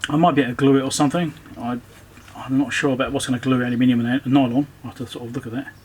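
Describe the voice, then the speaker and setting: An electronics repairer presents his own repair video, offering casual hands-on commentary as he thinks aloud and mutters to himself. His medium-pitched voice holds a steady tone, is a little mellow, and races along, with clear background noise behind it.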